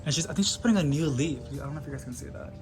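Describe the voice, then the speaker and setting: Young man, bubbly sorority-girl gushing, higher-pitched voice, casual vlog chat, noticeable background music. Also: lively intonation, rapid-fire, a little mellow. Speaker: host of a plant haul vlog. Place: at home, indoors.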